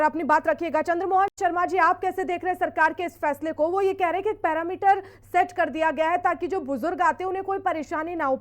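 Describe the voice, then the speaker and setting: A woman anchoring a television news panel, putting questions to guests. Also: extremely high pitch. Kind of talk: moderating a panel debate.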